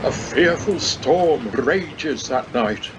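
A man's voice: a little high, expressive, extremely slow, heavy background noise. A man reading scripted storytelling narration for an audio pantomime, recorded over a video call. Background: music.

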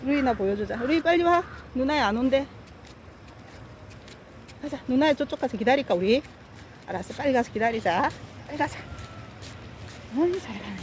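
A woman's voice: high voice, expressive, normal speed, long pauses, a little mellow, a little hiss or hum. A woman walking her dogs outdoors, chatting casually on a phone live stream and fondly scolding her pets. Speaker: dog owner live-streaming a walk. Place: outdoors on a walking path by stepping stones.

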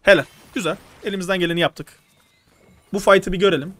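High-voiced excitable young man coaching. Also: fast talker. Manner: animated, urgent instructions, swears and laughs. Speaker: streamer coaching players. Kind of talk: live game coaching over voice chat.

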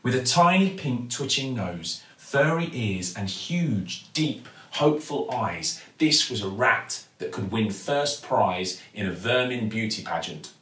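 A man's voice: medium pitch, a bit bright. British guy in his 40s doing bedtime story narration, theatrical, bit far from the mic in a room. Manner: theatrical, with dramatic pauses and emphasis. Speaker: actor reading a bedtime story. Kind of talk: expressive children's storybook narration. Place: living room at home, indoors. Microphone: camera or phone a few feet away. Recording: roomy, mic at some distance.

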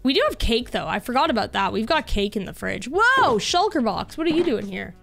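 A woman's voice: fairly high pitch, sing-song, brisk, vocal fry, fairly bright tone, faint music behind. A young adult woman streaming a game, chatting casually in a bubbly way with lots of filler words. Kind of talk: casual chat while playing a game.

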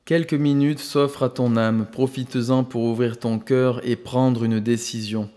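A man voicing a calm, commanding male spiritual master who speaks solemnly and firmly. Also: mid-range voice, big-room sound, natural voice. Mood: gentle. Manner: solemn, firm and measured.

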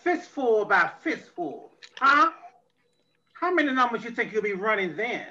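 Brief: woman as a brash, bright-voiced, drunk, foul-mouthed tech crook; menacing swagger; lo-fi audio drama. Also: a little high, very animated, a little slow, heavily acted. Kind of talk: amateur audio drama reading. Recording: dull lo-fi audio.

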